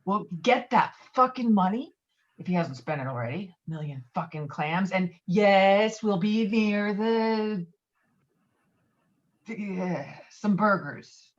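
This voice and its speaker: A woman's voice: medium pitch, expressive, slow, dull audio. A woman playing a brash, foul-mouthed, domineering man in a script table read, talking in a blustering, insistent way. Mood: scheming, sure. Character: brash, foul-mouthed, domineering male friend named Walter. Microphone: video call.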